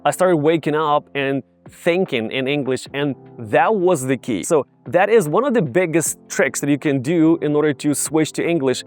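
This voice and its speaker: Ukrainian guy with an accent giving english tips, upbeat and kinda high voice, faint music under it. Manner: upbeat, direct, addresses viewers as "you guys". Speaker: English tutor. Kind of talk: casual teaching to camera.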